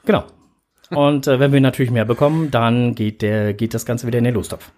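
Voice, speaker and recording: A man's voice: mid-range voice, steady tone, fairly quick, darkish tone. A man hosting a casual podcast, rambling with fillers and restarts. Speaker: podcast host.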